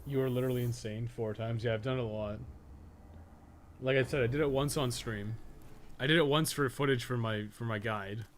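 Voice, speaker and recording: Over noisy game audio and in-game dialogue, a man who streams and co-hosts a podcast gives loose, profanity-laced play-by-play. He speaks a little fast at medium pitch, with fairly even intonation.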